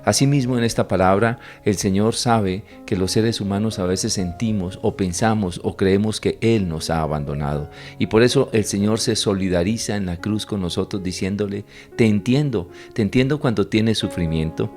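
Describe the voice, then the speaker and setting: Deep, dark-voiced male preacher. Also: moderate pace, hardly any pauses, faint music behind. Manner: fervent, repetitive, speaks at times in Jesus' voice. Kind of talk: Good Friday sermon.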